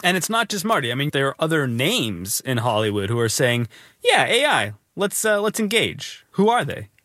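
A male podcast host with a lively, swooping voice that rises high when he is incredulous. He talks through the news in a casual, conversational way, recorded close and dry. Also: moderate pace, no echo.

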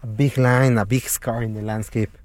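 A man's voice: mid-range voice, steady tone, normal speed, darkish tone, no echo. A man from Mexico with a strong Mexican accent, speaking hesitantly outdoors in a field interview. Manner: hesitant, with restarts and fillers. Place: outdoors at a border wall.

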